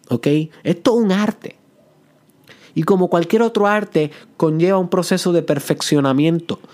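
A man hosting a motivational podcast, sprinkling English phrases into his talk and playing his voice between loud and soft. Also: on the high side. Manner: plays with loud and soft delivery for effect. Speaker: podcast host.

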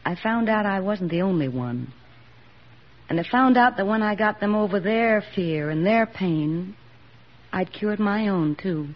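A woman's voice: mid-range voice, animated, unhurried, natural voice. A woman playing an earnest young army nurse in a 1940s radio drama, speaking with heartfelt sincerity. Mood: tender. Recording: dull old radio broadcast recording.

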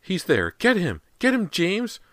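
A man voicing a frantic, terrified mother with a shrill, trembling, desperate voice in an audiobook horror story. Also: huge pitch swings, unhurried, a bit bright, no room sound, clean studio sound, exaggerated voice. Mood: hysterical shrieking. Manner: shrieking, desperate.

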